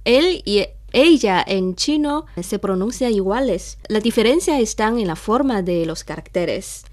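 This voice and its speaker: Native chinese woman teaching a language lesson, slow and patient, dry close sound. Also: medium pitch, expressive, no room sound. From China. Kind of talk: language lesson, modelling words to repeat.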